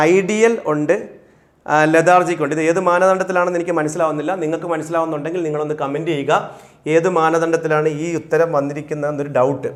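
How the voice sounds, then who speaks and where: A male exam coach with a Malayalam accent, reading English questions out slowly and then explaining the answers quickly. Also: on the high side. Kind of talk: recorded exam-prep lesson.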